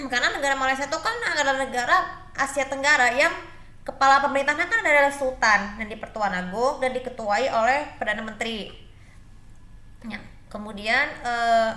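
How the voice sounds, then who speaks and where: Bright-voiced woman, echoey room. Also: on the high side. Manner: rambling, many fillers and restarts. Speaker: tutorial video host. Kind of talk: casual explainer talk to camera.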